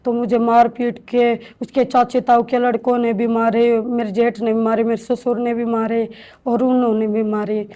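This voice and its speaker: A woman in her thirties slowly recounting her own story with halting restarts, as an interviewee in a shelter home. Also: on the high side, flat delivery, warm tone. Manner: halting, slow, hesitant with restarts. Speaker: interviewee, domestic violence survivor. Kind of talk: emotional personal testimony.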